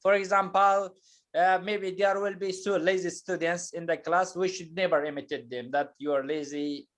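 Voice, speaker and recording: A man teaching an English lesson, explaining patiently and slowly with many hesitations and fillers. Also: high voice, fairly even intonation, a bit bright. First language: not Turkish.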